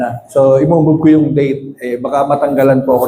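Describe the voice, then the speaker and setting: With audible room echo, a man talks at a fairly quick pace in a monotone, flat way. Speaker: pastor. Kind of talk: sermon. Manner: loud, shouting.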